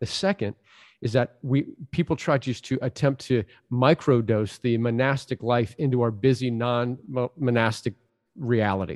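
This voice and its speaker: An ordinary speaking voice, a man's, sits at medium pitch with ordinary pitch variation and a moderate pace. The sound is dry and close with no echo, over a quiet background. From raised in Japan and Taiwan, then US. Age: 40s. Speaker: Episcopal priest and director of a contemplative center. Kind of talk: interview conversation.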